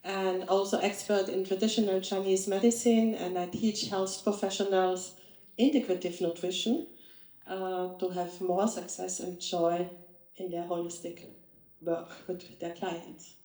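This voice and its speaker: Austrian woman panelist, low, mellow voice, earnest, echoey hall. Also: little pitch movement, a little slow. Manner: earnest, some non-native slips. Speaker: nutritionist, panelist. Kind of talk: panel talk. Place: live event stage. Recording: echoey event room.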